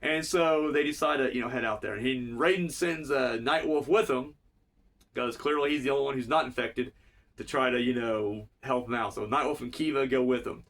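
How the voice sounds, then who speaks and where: A man's voice: mid-range voice, moderate pace, a bit bright, far from the mic. A man with a cold recapping a cartoon episode in a rambling, profane, casual way. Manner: rambling, profane, filler-heavy. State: has a cold.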